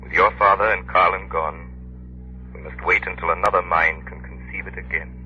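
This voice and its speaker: A man playing a calm, commanding hero in a 1930s radio drama, speaking in a cool, mocking tone. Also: low voice, normal speed. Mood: hushed. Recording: dull lo-fi 1930s radio recording with hiss.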